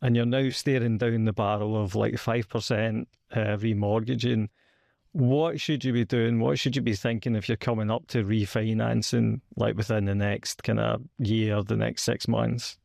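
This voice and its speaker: A man from Scotland with a Scottish accent, interviewing a guest in a relaxed, hedging way with frequent fillers. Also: lowish voice, moderate pace, gravelly, dry recording, clean studio sound. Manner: hedging, questions full of fillers and restarts. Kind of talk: conversational interview.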